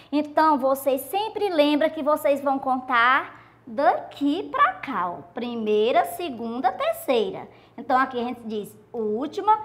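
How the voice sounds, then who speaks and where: A woman's voice: high-pitched, fairly bright tone. A woman teacher with a Brazilian Portuguese accent giving a recorded video lesson, explaining patiently and drawing out the stressed syllables of example words. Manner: patient, repetitive explaining to students.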